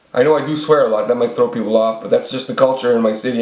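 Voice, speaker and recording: In audible room echo, a man with a Canadian accent speaks at a medium pitch with fairly even intonation. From Canada. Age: 40s. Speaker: vlogger. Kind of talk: casual monologue vlog. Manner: rambling, halting.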